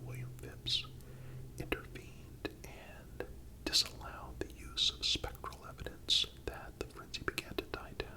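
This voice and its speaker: Male ASMR narrator, whispered voice, slow pace, calm, measured delivery. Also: poor audio.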